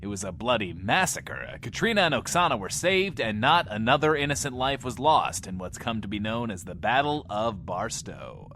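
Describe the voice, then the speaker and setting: An actor playing a swaggering but insecure host of a post-apocalyptic bunker radio show, talking in a pompous, wordy, theatrical way. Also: male voice, on the low side, big pitch swings, moderate pace, hardly any pauses, pushed and bright, a little hiss or hum, heavily acted. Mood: dramatic, showy. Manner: pompous, wordy, theatrical, talks of himself in third person. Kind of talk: in-world radio show monologue, audio drama.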